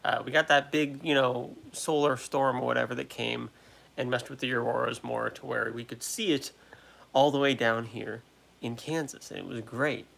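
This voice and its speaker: An American man in his late twenties hosting a casual livestream chat, talking in a halting, repetitive way that often interrupts itself. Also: mid-range voice, steady tone, gravelly, a bit bright. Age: late 20s. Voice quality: trouble pronouncing R sounds. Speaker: livestream host. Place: at home.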